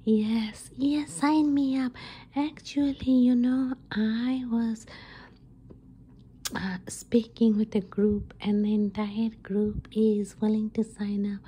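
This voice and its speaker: A woman playing an eager, chatty customer booking a retreat in an ASMR role play, gushing and breathy. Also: fairly high pitch, fairly even intonation, slow, dark tone, voice pushed up, rough recording. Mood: delighted. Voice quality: husky, breathy. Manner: gushing, agreeable.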